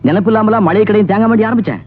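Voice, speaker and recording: A sardonic debt-ridden village landowner. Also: male voice, high-pitched, slightly rough. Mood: bickering. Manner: quick, wry and sarcastic, flaring into anger. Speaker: eldest brother, indebted landowner. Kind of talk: 1980s film acting. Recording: thin phone-like film soundtrack with music.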